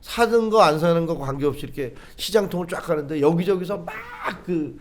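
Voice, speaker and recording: A man's voice: on the high side, a little fast, slight background noise. A man, a political commentator, telling a story with animation on a talk show and acting out what people said to him. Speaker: political commentator, former party official.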